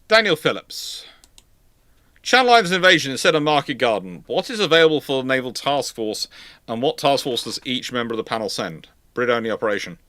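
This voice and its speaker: A man's voice: medium pitch, a bit bright, clean tone, no room sound. A man hosting a casual live history question-and-answer talk, thinking aloud in a conversational way and posing questions to himself. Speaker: host, naval historian.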